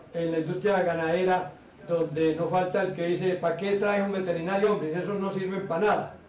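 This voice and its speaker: At a moderate pace, the speaker keeps a monotone, flat intonation, and the room echo is audible. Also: man. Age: 70s. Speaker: veterinarian. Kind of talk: educational talk. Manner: hesitant, with fillers.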